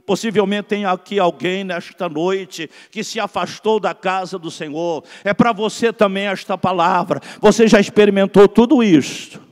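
A man in his sixties with a Brazilian Portuguese accent, preaching a Pentecostal sermon from a church pulpit, building to shouts and then dropping low. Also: moderate pace, few pauses. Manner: preaching with swelling shouts and quiet drops. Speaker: pastor. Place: large church sanctuary at a pulpit. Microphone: pulpit microphone. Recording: long reverb of a large church.

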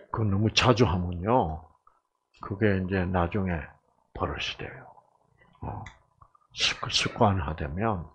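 A middle-aged man giving a lively seminar lecture with jokes. He keeps asking the audience questions and acts out voices and cries. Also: medium pitch, a little hiss or hum. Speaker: health lecturer.

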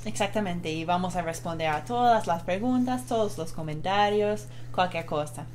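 A woman's voice: fairly low pitch, moderate pace, a little mellow. A woman co-hosts a live Spanish lesson, speaking in an earnest, encouraging way. Spanish is not her first language, and a foreign accent colors her speech. Faint hiss runs under the voice. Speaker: Spanish teacher and co-host.

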